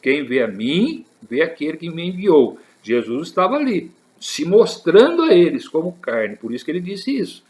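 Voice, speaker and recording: A man preaching a sermon. His voice sits a little high and swoops up and down as he presses each point, often calling the listeners brothers. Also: sing-song, moderate pace, hardly any pauses, darkish tone. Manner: preaching with rising, emphatic repetitions, addressing the listeners as brothers.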